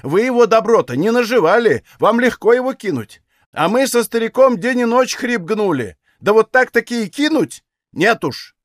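A man's voice: very high-pitched, very animated, normal speed, no room sound, clean studio sound, pitched above the performer's own voice. A man voicing an aggrieved, stubborn old Cossack mother who complains plaintively. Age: older.

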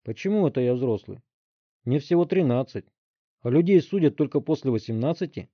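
A man's voice: mid-range voice, animated, a little fast, no room sound, lightly acted. A man doing a cocky thirteen-year-old boy. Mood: mocking. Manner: sarcastic, brash, yelling taunts. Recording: dry, slightly dull recording.

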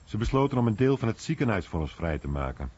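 A man's voice: on the low side, very animated, fast talker, a little mellow, slightly rough. A man doing a storytelling voice-over of a veteran's memories for a radio documentary. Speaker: voice-over translator. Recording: dull, muffled radio recording.

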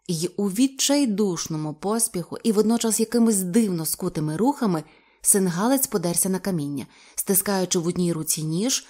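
A woman narrating a literary novel in an even, measured way. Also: mid-range voice. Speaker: audiobook reader.

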